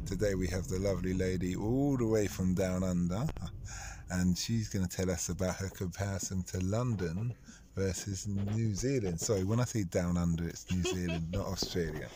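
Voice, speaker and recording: A man's voice: low voice, normal speed, background noise. A man hosting a podcast from his taxi, greeting listeners and introducing his guest in an upbeat, welcoming way. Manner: upbeat and welcoming, brief prompts. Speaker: taxi driver podcast host. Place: in a car. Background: music under the intro.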